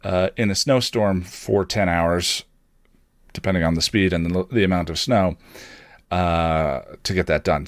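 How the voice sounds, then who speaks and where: A man's voice: sits low, no room sound. A man hosting a podcast, giving casual, rambling announcements with dry, self-deprecating humour. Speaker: podcast host and streamer.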